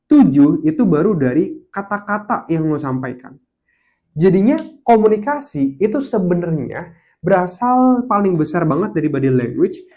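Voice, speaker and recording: A young man talking casually to camera, giving advice and telling stories, acting out quoted lines with sudden jumps in pitch. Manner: animated storytelling, acts out quoted lines with sharp pitch jumps. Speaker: host.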